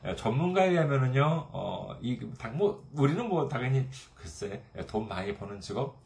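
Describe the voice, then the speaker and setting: A man's voice: normal speed, gravelly. A man preaching a sermon as pastor, retelling a parable and briefly acting out its characters' voices. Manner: storytelling, acting out parable voices with lively pitch swings.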